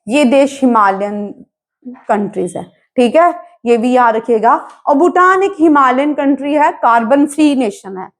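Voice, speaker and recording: A woman teaches an exam-prep lesson. She keeps asking her students questions and then answers them herself, drilling each point. English terms run all through her speech. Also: fairly high pitch. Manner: mixes English terms into Hindi.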